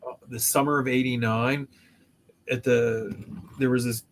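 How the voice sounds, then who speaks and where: A man's voice: medium pitch, steady tone, a little slow, slight background noise. A man in his fifties from Canada, hosting a podcast in casual chat, rambling and swearing freely as he jokes around. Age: 50s. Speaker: podcast host.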